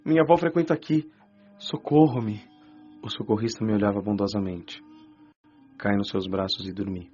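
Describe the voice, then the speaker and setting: An actor with a Brazilian Portuguese accent playing a young man's spirit, a former cocaine addict, telling his story in a low, subdued, confessional way. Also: fairly even intonation, moderate pace, long pauses, dark tone, close to an everyday voice. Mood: pleading. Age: young adult. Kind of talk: radio drama first-person account. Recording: dull lo-fi audio with faint music.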